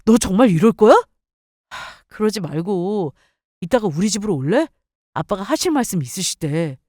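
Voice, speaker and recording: A woman's voice: mid-range voice, big pitch swings, moderate pace, a little mellow, no echo, studio quality, pitched below the performer's own voice. A woman voicing a petty, defensive young husband who talks in a sneering, dismissive way. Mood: pleading.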